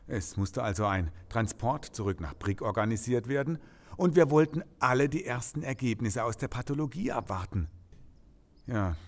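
An actor playing a sympathetic, weary male police detective in an audio crime drama, explaining apologetically. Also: medium pitch. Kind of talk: German audio drama acting.

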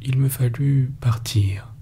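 A man narrating an audiobook story in a measured, steady storytelling manner. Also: mid-range voice, slight background noise. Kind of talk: scripted narration.

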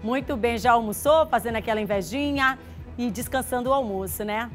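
A woman's voice: fairly high pitch, fairly quick, faint music behind. A woman, presenting a live regional TV news show in a studio. She talks to viewers in a chatty, direct way, often checking in with "tá?" and greeting them by name. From Maranhão, Brazil. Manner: reads viewer messages aloud, greeting them warmly by name.

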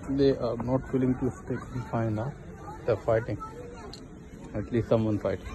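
A young man with a South Asian accent and Hindi-Urdu as his native language talks in a chatty, casual vlog style. His voice sits at a medium pitch. The recording is made outdoors on a phone, with clear background noise. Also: steady tone, moderate pace, crowd noise. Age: young adult. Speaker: vlogger. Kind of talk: casual zoo vlog chat. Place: outdoor zoo.

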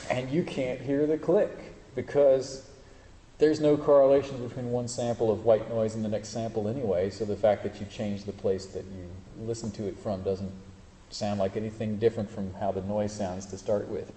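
A man with a warm, somewhat low voice talks at normal speed in a level tone during a relaxed university lecture built around live demonstrations. He revises his words as he goes and jokes in a deadpan way. The audio has a roomy hall echo and faint hiss.

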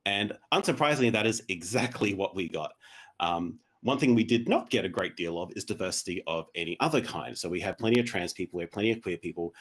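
Low-voiced man on a panel. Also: lively intonation, fast talker, slightly rough. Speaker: panelist, podcast writer. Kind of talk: explanatory panel talk. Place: indoor room at home, video call.

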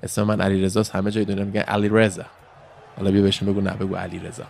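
A man's voice: low-pitched, monotone, creaky, darkish tone, a little hiss or hum. A man giving casual play-by-play commentary on an old fight as the channel's host, explaining moves and drifting into chatty asides.

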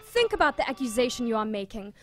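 High-voiced pious nun, acted by a woman, over music. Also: sing-song, fast. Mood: disbelieving. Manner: soothing, hesitant, devout. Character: pious motherly nun, gentle, anxious, protective of church. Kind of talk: audio drama acting.

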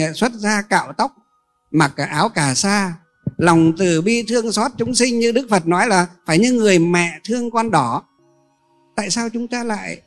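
A male Buddhist monk giving a dharma talk to an audience, posing rhetorical questions and pausing often with fillers. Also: sits high. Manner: rhetorical questions to listeners, many filler pauses.

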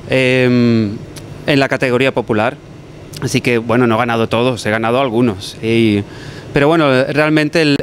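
A young man from Barcelona, a chef, answering interview questions in a restaurant kitchen, talking in a relaxed, thoughtful way with restarts. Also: medium pitch, slight background noise. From Barcelona, Spain. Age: young adult. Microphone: handheld mic held by interviewer.

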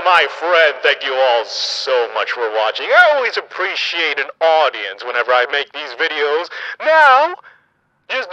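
A man's voice: a little high, sharp tone, no room sound, dull audio. A man chatting to his viewers through a radio-like voice changer. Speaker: gamer. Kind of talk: video sign-off chat. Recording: dry, band-limited radio-like sound.

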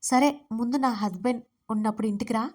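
A woman's voice: fairly high pitch, brisk, natural voice. An upset, defiant young wife, as a woman narrator voices her. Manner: sharp, tearful protest. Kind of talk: audio story dialogue.

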